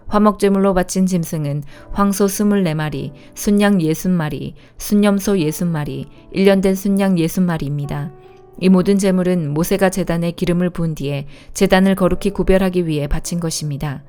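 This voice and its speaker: A woman reads scripture aloud in a measured, unhurried way. Her voice sits a little low and sounds mellow and warm. Faint instrumental music plays behind her. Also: smooth. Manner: steady, calm, measured reading. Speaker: Bible reader. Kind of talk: scripted Bible reading.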